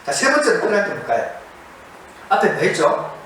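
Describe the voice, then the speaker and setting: High, lively male preacher in echoey hall. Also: fairly quick. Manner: asks the audience questions and repeats key words. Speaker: monastic preacher. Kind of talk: sermon lecture to an audience. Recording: very echoey, distant mic, faint noise.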